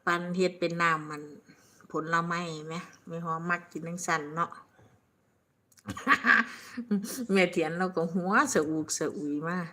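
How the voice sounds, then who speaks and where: An older woman with a bright, clear Isan accent hosts a relaxed live stream. She rambles chattily, reads out viewers' comments and laughs often between her stories. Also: on the low side, measured pace, long pauses. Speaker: livestream host.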